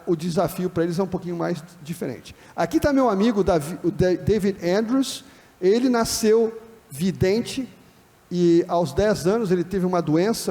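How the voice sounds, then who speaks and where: A man's voice: high-pitched, vocal fry, warm tone. A man with a Brazilian Portuguese accent, a pastor giving a conversational lecture, often checking in with the audience and acting out quoted dialogue. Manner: acts out quoted dialogue in other voices. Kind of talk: classroom lecture on church and disability. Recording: hall with long reverb.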